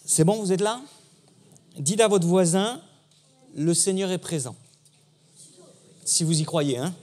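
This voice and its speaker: A man's voice: sits high, measured pace, a little mellow. A man giving a sermon as guest preacher in a church, talking conversationally and engaging the congregation.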